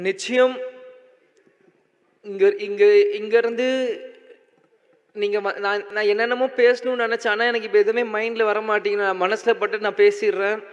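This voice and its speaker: Young man, tearful halting stage speech, high voice, muffled reverberant hall sound. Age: young adult. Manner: halting, choked up, restarts often. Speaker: speaker at a memorial gathering. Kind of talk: emotional public speech. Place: large indoor stage. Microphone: handheld mic on a stand.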